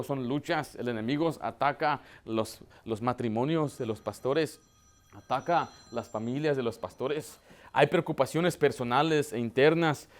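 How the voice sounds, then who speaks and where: A man's voice: medium pitch, a little mellow. A middle-aged man preaching a sermon as a pastor, talking conversationally, acting out quotes and asking the congregation rhetorical questions.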